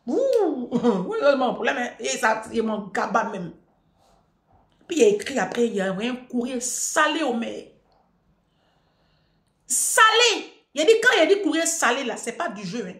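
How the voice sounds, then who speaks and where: A middle-aged woman speaking in a somewhat high voice, telling a story with emphatic repetition and swinging between calm advice and near-shouting. The sound has the echo of a bare, roomy space. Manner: emphatic, repeats phrases, rising to near-shouting at peaks. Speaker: vlogger answering a viewer.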